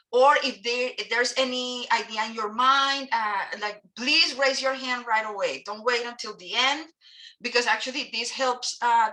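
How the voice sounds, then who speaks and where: Bright-voiced Colombian woman lecturing hesitantly. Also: a little high, rough recording. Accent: Colombian Spanish. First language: Spanish. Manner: hesitant, with frequent fillers and restarts. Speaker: couple and family therapist presenting a training. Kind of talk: lecture presentation to an audience.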